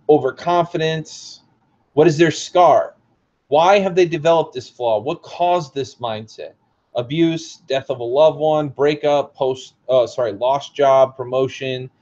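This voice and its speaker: A hoarse man with a slightly high voice reads passages from his own book aloud. He breaks in with casual asides to explain them. The recording sounds dull and lo-fi. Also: darkish tone. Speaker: author.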